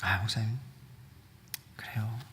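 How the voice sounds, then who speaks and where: A man pastor preaching a sermon, animated, acting out quotes and asking the congregation questions, in a reverberant church hall. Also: on the low side, takes it slowly, a little hiss or hum. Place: church sanctuary.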